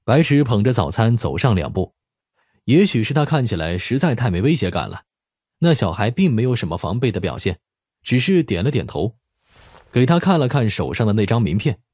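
Lively husky male audiobook narrator. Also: on the low side, fairly quick, no echo, clean studio sound. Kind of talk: scripted story narration.

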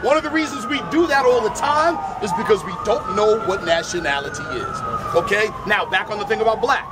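A middle-aged man debating outdoors on a city sidewalk, speaking into a handheld mic in a measured, lecturing way that repeats its phrases. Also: sits high. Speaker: street debater. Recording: noisy outdoor street recording. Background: crowd and traffic noise.

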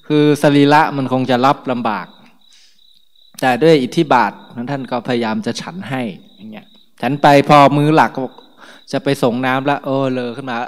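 A male Buddhist monk giving a relaxed, chatty morning sermon talk, often laughing between remarks. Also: mid-range voice, moderate pace, big-room sound.

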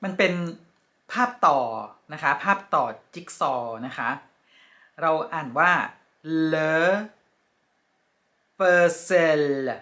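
Slow, bright-voiced woman teaching vocabulary. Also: deep voice, lively intonation. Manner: slow and careful, repeating each word; polite, ending phrases with soft particles. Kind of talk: casual lesson with picture cards.

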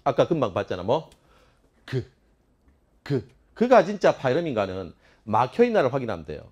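Animated man teaching a class. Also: mid-range voice, fast talker, lo-fi sound. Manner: playful, demonstrates sounds aloud, teasing questions to students. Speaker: Korean language teacher. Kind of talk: lively classroom lecture.

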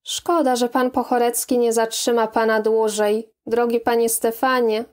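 A woman's voice: fairly high pitch, little pitch movement, moderate pace, darkish tone, lightly acted. A woman reading the part of an anxious young lady of the manor, speaking earnestly and pleading. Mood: curious.

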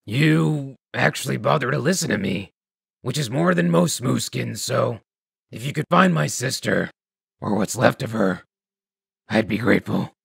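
A man voicing a weary, bitter, self-deprecating ghoul scavenger in a video game, raspy and gravelly, with grudging, halting delivery. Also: mid-range voice, lively intonation, fairly bright tone, dry recording, exaggerated voice. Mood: ashamed, worried. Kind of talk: video game dialogue acting.

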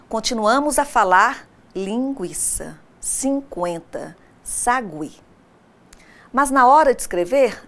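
A woman with a Brazilian Portuguese accent teaching a scripted online lesson, her voice sitting a little high. She talks straight to the students in a didactic way and keeps checking in with questions. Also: fairly bright tone.

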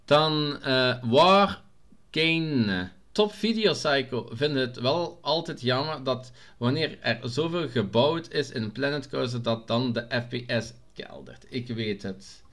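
A man's voice: medium pitch, takes it slowly, fairly bright tone. A man with a Limburg Flemish accent, casually reading out and answering viewer comments in a vlog, hesitant with frequent filler sounds. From Belgium, Limburg. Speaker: vlogger.

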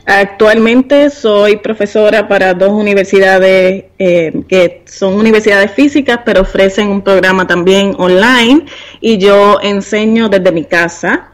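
Podcast guest, Puerto Rican woman, forties, mid-pitched, measured explanations. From Puerto Rico. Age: 40s. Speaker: guest, university professor and business consultant. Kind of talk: podcast interview conversation.

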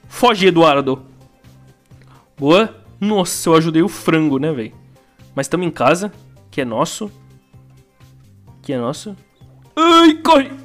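A young man with a Brazilian accent commentates his own gameplay, bursting into exclamations and slang. His pitch leaps up and down constantly, and faint game music plays underneath. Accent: Brazilian Portuguese. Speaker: gaming YouTuber.

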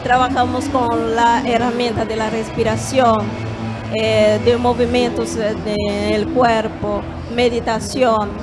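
A Brazilian woman yoga teacher speaking Spanish in a gentle, measured way with small hesitations, on a handheld mic at a fair stand. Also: fairly high pitch, flat delivery, over loud music. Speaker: yoga teacher and holistic therapist. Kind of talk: calm explanatory interview answers. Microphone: handheld microphone.

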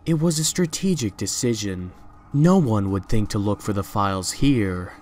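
A man's voice: lowish voice, lively intonation, normal speed, darkish tone, natural voice. A man acting a guarded, proud young male CEO in an audio drama, with a terse, controlled delivery. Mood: confident, dry.

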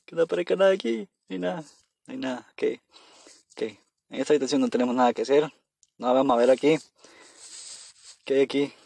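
A man's voice: fairly high pitch, gravelly, mellow, dry recording. A man casually commenting as he plays a horror game on his phone, nervous, talking to himself and repeating phrases when scared. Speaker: gamer playing on a phone.

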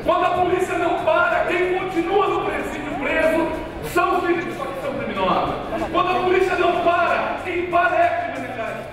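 A man in his forties orates from a podium in a big council chamber, rousing and rhetorical, hammering home repeated phrases. His voice sits very high, and it carries through a strongly echoing room. He is picked up from a distance, with a crowd audible behind him. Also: a little fast. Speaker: city councillor speaking at a session. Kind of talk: formal speech at a podium. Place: large council chamber, indoors. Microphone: podium microphone heard from afar. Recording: echoey chamber from far off with crowd.

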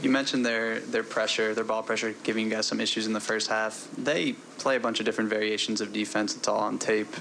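Flat-voiced male reporter, off-mic. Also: lowish voice, slight background noise, rough recording. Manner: measured, builds the question step by step. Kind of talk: press conference question.

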